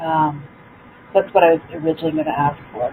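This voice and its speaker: A soft-spoken woman talks with a very deep, low pitch at a moderate pace. Noticeable background noise is present. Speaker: caller. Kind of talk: casual chat. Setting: call. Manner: halting.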